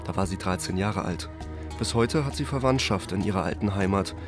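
A man reading a calm, scripted news report narration. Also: sits low, a little fast. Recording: voice-over over music.

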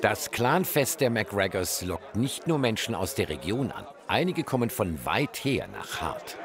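A man reading a scripted TV news voice-over at a brisk, lively pace. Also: lowish voice, over a noisy crowd. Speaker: news reporter. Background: bagpipe music.

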